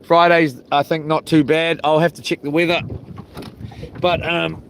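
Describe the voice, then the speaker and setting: Out on a small boat, a man with a broad New Zealand accent hosts a fishing livestream, chatting casually and rambling on. His voice is fairly high, his delivery flat and a little slow, and boat and water noise come through clearly.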